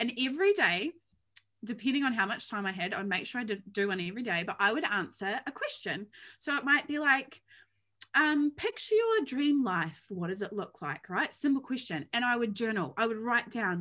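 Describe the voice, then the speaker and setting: In a New Zealand accent, the voice has a bright, sharp, enthusiastic and animated tone, lively intonation and a moderate pace. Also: woman, fairly high pitch for a woman. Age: 20s. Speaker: mindset coach. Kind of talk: casual interview chat. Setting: remote call. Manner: enthusiastic, animated.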